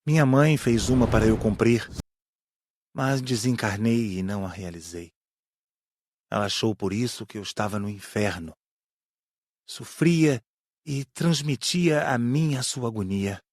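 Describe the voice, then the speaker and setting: A man's voice: fairly low pitch, measured pace, pauses often, a little mellow, no echo, studio quality. A man with a Brazilian accent playing an earnest, confiding spirit student in an audiobook drama. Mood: earnest, reflective. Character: Joaquim, earnest male spirit student recalling his past.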